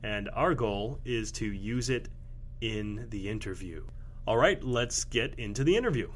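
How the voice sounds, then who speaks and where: A male podcast host chatting casually, with a lively, swinging voice. He teases and jokes freely, with easy laughter. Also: lowish voice, unhurried, soft background music. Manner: jokey, teasing, laughs often.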